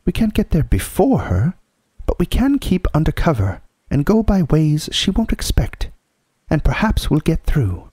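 Man doing a high-pitched motherly lady beaver. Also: sing-song, measured pace, warm tone, slightly rough, no echo, full character voice. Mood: reassuring. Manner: fussy, cool, homely. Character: practical, unflappable motherly female beaver. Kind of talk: storybook character voice.

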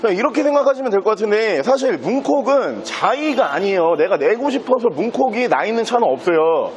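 A man giving a chatty used car salesman's pitch, casually presenting a car and pointing out details as he goes. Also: sing-song, fairly quick.

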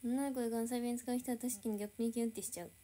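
A woman's voice: fairly high pitch, steady tone, very fast, dark tone. Bubbly young woman livestreaming. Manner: chatty, reacting to viewer comments. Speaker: idol livestreamer. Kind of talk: casual livestream chat.

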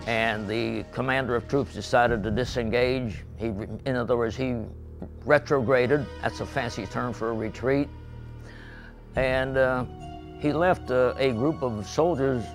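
An older man from western Pennsylvania, seated in a studio, recounting his memories in a measured, halting way with many pauses. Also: medium pitch. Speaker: veteran interviewee. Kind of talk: recorded oral history interview. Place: indoor studio with painted backdrop.

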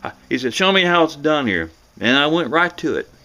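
A middle-aged American man telling a personal story casually to camera in a folksy, halting way, often repeating himself. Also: a little high, sing-song, bright, forceful tone, low-quality recording. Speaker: vlogger.

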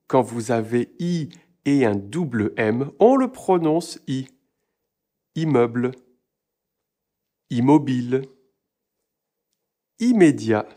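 Un professeur de français qui donne une leçon de prononciation, en articulant chaque mot avec beaucoup de soin pour ses élèves. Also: male voice, medium pitch, mellow. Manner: slow, deliberate, over-articulates words for learners. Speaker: French teacher. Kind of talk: pronunciation lesson.

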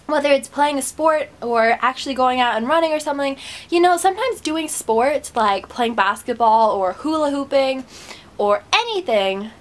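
A woman's voice: sits high, lively intonation, normal speed. A young woman vlogging to her webcam in a small bedroom, sweaty after a run and a bit stuffed up, chatting in an upbeat, encouraging, rambling way. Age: young adult. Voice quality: stuffy nose. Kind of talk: casual motivational chat to camera. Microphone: webcam close up.

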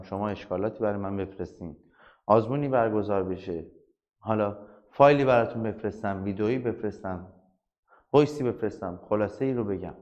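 A soft-spoken man teaching physics in an online class, chatting directly to his students. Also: on the low side, lo-fi sound.

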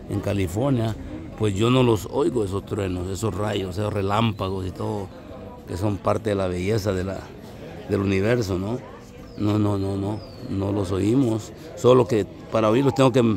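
Man, Salvadoran accent, travel vlog, low gravelly voice, crowd around, outdoors. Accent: Salvadoran Spanish. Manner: chatty, addresses viewers as little friends. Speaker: travel vlogger. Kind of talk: casual vlog narration. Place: outdoors on a misty mountain.

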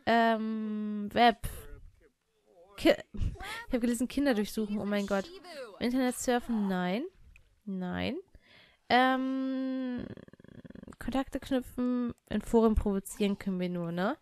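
A young woman with a fairly high voice gives casual let's-play commentary. She talks in a chatty stream, ordering her game characters about and throwing in quick exclamations. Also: no echo. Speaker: let's player.

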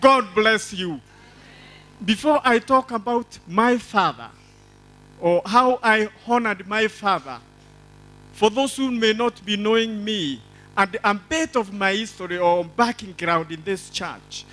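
Slow, high-pitched and forceful, an older Kenyan man from Embu County preaches a church testimony to a congregation. Exuberant and declamatory, he repeats phrases for emphasis, speaking into a handheld microphone on a large church hall stage.

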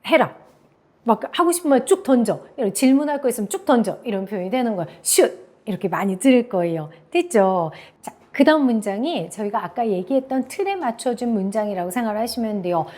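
A middle-aged woman teaching English, who says example phrases slowly and keeps checking in with her listeners. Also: on the high side, animated, darkish tone. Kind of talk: classroom lecture.

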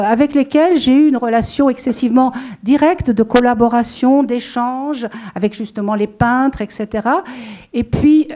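A middle-aged French woman holds a handheld mic at a book event and talks casually about her writing to a seated audience in a small room. She rambles, with many fillers and restarts. Her voice is fairly high and mellow.

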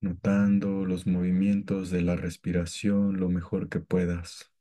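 A man guiding a meditation with calm, gentle, scripted instructions and long pauses between phrases. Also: deep voice. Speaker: meditation guide.

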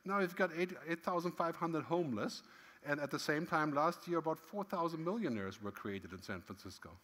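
A man's voice: fairly high pitch, animated, a little fast, a bit bright. A middle-aged man giving a conference keynote on a large stage, talking in a conversational way with frequent "right?" tags and emphatic swings. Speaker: keynote speaker. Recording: long hall reverb.

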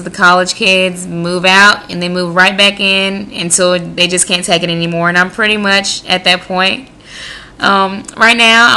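An American woman in her twenties from the Midwest introduces herself informally for a radio job audition. Her medium-pitched voice is bright and forceful, and her conversational manner is self-promoting.

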